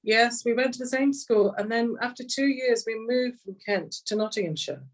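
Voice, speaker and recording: A woman's voice: a little high, normal speed, recorded from a distance, rough recording. A middle-aged woman with an English accent tells personal stories conversationally, reflective and repeating phrases for emphasis. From Kenya, later rural England. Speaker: interview guest, executive coach.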